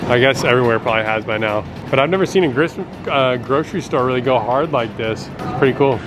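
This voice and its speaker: A man's voice: medium pitch, fast talker, music in the background. A man in his twenties, joking in a laid-back, slangy way while filming a grocery run. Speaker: vlogger's boyfriend. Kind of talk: casual vlog chat. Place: car and grocery store.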